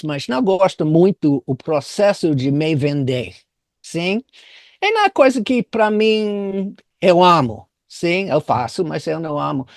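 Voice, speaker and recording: A man's voice: sits high, gravelly, no room sound, studio quality. An older man from the United States with an American accent, a native English speaker, telling his story in an interview and often searching for words. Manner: halting, searching for words in non-native Portuguese. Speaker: business consultant interviewed as guest.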